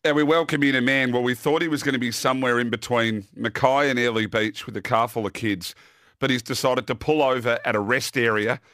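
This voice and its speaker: A man's voice: medium pitch, fairly even intonation, brisk, a bit bright, dry recording, studio quality. A man with an Australian accent hosting a casual sports preview in a jokey, bantering way. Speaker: host.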